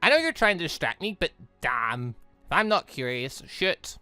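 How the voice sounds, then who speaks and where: A man's voice: on the high side, big pitch swings, moderate pace, bright, forceful tone, clean tone, no room sound, soft background music, exaggerated voice. A man voicing a sassy, teasing, impatient young woman in a visual novel, with a brash bantering manner. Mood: curious, impatient. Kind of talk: reading visual novel dialogue aloud.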